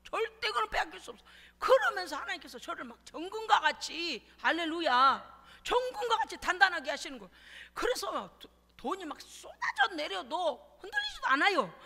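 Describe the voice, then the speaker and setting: A woman pastor preaches with dramatic swings from hushed whispers to shouts. Her high, lively voice is very bright. It rings out in a church hall with a long reverb. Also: normal speed. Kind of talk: emotional sermon with testimony.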